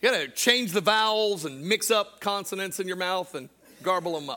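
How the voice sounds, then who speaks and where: A man with an American accent uses a raised, projected voice at a high pitch. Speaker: pastor. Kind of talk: sermon. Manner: hesitant, fillers.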